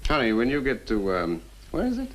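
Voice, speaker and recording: An actor playing a skeptical, argumentative scientist in a 1960 horror film, with a brisk, emphatic manner. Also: male voice, medium pitch, huge pitch swings, faint music behind. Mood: teasing.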